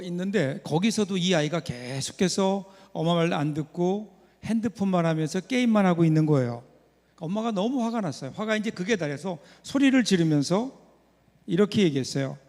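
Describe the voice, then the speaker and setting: A man's voice: high-pitched, darkish tone. A man preaching a Sunday sermon as pastor, telling a story conversationally and putting rhetorical questions to the congregation. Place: church sanctuary. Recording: long reverb of a church hall.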